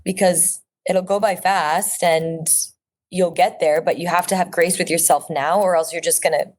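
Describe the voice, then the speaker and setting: This is a woman in her thirties from Orange County, speaking as an interview guest. Her voice sits a little on the low side, and she talks in an earnest, reflective way. Her phrasing is loose and conversational, full of small restarts and fillers. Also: steady tone, normal speed. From Orange County, California.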